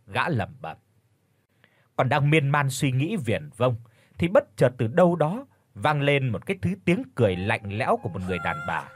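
A man's voice: mid-range voice, slightly rough, no room sound, studio quality. A man narrating a horror story in a dramatic storytelling manner.

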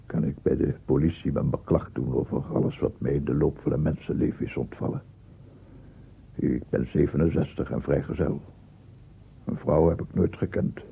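Casting: obsessive scientist in his sixties, aggrieved and pedantic, very hoarse low voice, radio drama. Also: fairly even intonation, moderate pace, heavily acted. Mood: bitter, subdued. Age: 60s. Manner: pedantic, insistent, repeats himself. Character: aggrieved, unstable 67-year-old bachelor scientist, self-justifying and obsessive. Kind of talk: radio play monologue. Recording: muffled, phone-like old radio recording.

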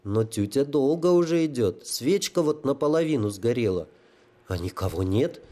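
A man's voice: mid-range voice, lively intonation, normal speed, dark tone, voice pushed up, natural voice. A man voicing a tearful, simple-minded holy fool who talks about himself like a child. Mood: plaintive. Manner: childlike pleading, stuttering.

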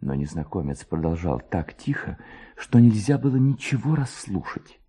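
Brief: male narrator for a classic radio drama, deep and mellow, lively intonation. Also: husky. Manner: measured, expressive storytelling.

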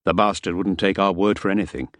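A man reading a first-person novel aloud as an audiobook narrator, measured and wry. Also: sits low, steady tone, dry recording, studio quality.

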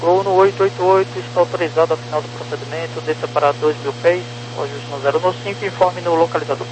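A man's voice: fairly high pitch, fairly even intonation, fast talker. A Brazilian man working as an approach controller, speaking in clipped, businesslike air traffic control radio phrases over a transmission. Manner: formulaic, businesslike. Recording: noisy aviation radio with hum.

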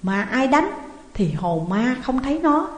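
A woman's voice: high voice, sing-song, a little slow, voice pushed up. A woman doing a stern, accusing male exorcist. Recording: echoey room with long reverb.

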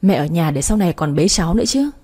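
A doting middle-aged mother from an audio story who fondly scolds her grown son, played by a woman. The voice is dark and mellow, slightly breathy. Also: lowish voice, animated, fast.

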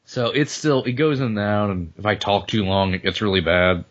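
A male podcast co-host, hoarse and losing his voice after the flu, chatting casually and joking with frequent laughs. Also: lowish voice, normal speed, dull audio. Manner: joking, rambling, laughs often. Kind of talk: casual comedic chat.

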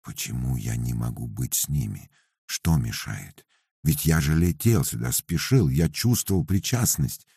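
A brooding young man's inner voice, low and subdued, detached from the chaos around him, as a male storyteller gives his thoughts. The tone is deep, gravelly and husky, unhurried and close. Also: lively intonation, mellow, no echo, full character voice. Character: numb, brooding young man thinking inwardly.

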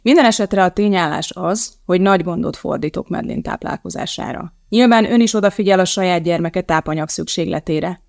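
A curt, no-nonsense woman scientist and mother, put on by an audiobook reader. She lays out the facts briskly and bluntly in a gravelly voice. The storybook recording is dry and close. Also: medium pitch, no room sound, close to an everyday voice. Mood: lecturing. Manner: curt and matter-of-fact.

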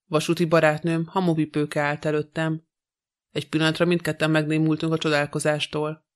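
A man narrating an audiobook in a measured, monotone reading. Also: on the high side. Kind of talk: scripted narration.

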